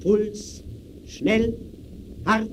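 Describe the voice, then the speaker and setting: An actor playing an impersonal official who declaims a case file in clipped phrases, in 1920s radio play style. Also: male voice, high voice, extremely slow. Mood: clinical. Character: clinical male official reading out a case file. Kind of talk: 1920s German radio play, staccato report. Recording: noisy early radio recording.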